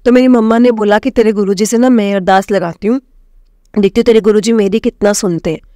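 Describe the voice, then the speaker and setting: Young woman, from Himachal Pradesh, personal testimony, mellow dark voice, dry close sound. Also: medium pitch, steady tone, fairly quick, no room sound. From Himachal Pradesh, India. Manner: addresses listeners as "sangat ji", mixes in English words. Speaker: devotee sharing a testimony. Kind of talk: personal testimony told to a congregation.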